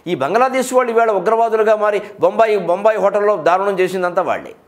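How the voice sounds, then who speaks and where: A man's voice: high-pitched, fast talker. Emphatic male lecturer, rhetorical questions. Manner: emphatic, rhetorical questions, mimics others mid-speech. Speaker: lecturer on literature. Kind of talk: public lecture on poetry and culture.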